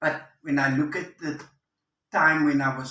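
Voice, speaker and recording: Audible room echo surrounds a man's somewhat breathy voice, delivered in a monotone with flat intonation. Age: 60s. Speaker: church member. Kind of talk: interview testimony.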